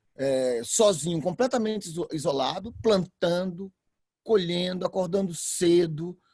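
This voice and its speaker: A man with a high-pitched voice speaks with lively intonation. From Bahia, Brazil. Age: 50s. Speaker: actor, comedian, voice actor. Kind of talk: interview answer. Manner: reflective, hesitant.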